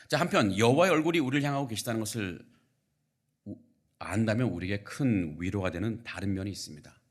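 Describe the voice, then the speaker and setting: A middle-aged male pastor delivers a sermon with a fairly low voice. He speaks in an earnest, measured way. He leans into key phrases and lets his sentence endings fall quiet. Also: expressive. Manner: earnest, measured preaching with rising emphasis and soft low endings. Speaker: senior pastor.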